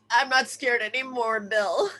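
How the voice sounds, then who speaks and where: Woman playing a squeamish nervous little boy getting brave, really high voice, slow delivery. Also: pushed and bright, full character voice. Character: anxious, squeamish young boy finding courage. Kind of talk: amateur table read acting.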